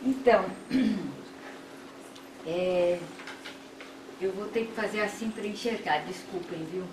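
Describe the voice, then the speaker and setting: An older woman from Brazil with a Brazilian Portuguese accent, giving an academic lecture in a seminar room in slow, measured, reflective phrasing. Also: mid-range voice, distant mic. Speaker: guest lecturer. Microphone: far room camera. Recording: echoey room from afar, background noise.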